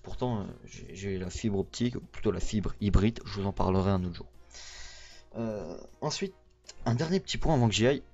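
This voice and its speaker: A man's voice: lowish voice, expressive, brisk, a little mellow, lo-fi sound, faint music behind. A young man with a Québécois French accent, giving a casual vlog update to his channel's viewers, rambling with lots of hesitations and self-corrections. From Quebec. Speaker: YouTuber.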